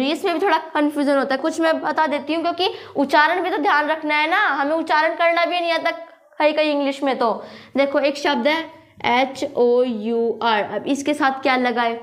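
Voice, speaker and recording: High-voiced woman teaching grammar. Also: a bit bright. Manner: quizzes listeners with repeated questions, spells words aloud. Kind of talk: classroom-style grammar lesson.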